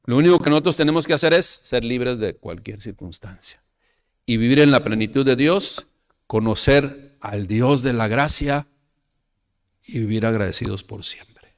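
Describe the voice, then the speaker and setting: A man, preaching a sermon to his congregation, calling them brothers, asking rhetorical questions, and moving between loud emphatic lines and quiet trailing asides. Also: mid-range voice, normal speed. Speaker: pastor.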